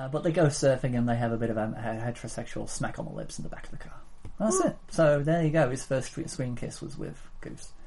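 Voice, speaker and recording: A man with a medium pitch talks at a very fast pace. Noticeable background noise sits behind him. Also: ordinary pitch variation. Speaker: podcast host. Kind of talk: casual chat.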